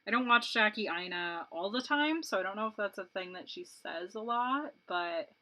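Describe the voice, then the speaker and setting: A woman's voice: mid-range voice, expressive, moderate pace, sharp tone. A woman in her late twenties, a beauty vlogger chatting casually and rambling while she does her makeup, laughing often. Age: 20s.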